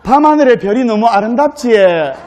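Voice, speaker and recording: A man's voice: very high voice, expressive, normal speed, a little mellow. A monk voicing a young bride with a Gyeongsang accent who pleads and calls out to her husband. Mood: pleading. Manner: pleading, calling out.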